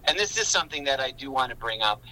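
Male podcast guest, very bright tone, detailed storyteller, slight background noise. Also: mid-range voice, expressive, quick pace, low-quality recording. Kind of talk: casual film discussion.

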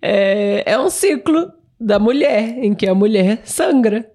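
A woman's voice: a little high, expressive, takes it slowly, dark tone. A woman with a Brazilian Portuguese accent chatting informally and giggly as a podcast co-host. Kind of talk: informal casual chat.

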